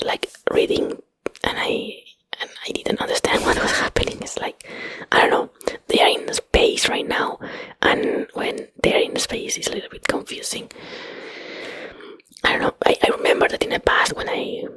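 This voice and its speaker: Female ASMR host, Spanish accent, native Spanish speaker. Breathy whisper, dry and close-miked, hesitant casual rambling. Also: fairly bright tone, no room sound, poor audio. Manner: hesitant, rambling, searching for English words. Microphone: close microphone.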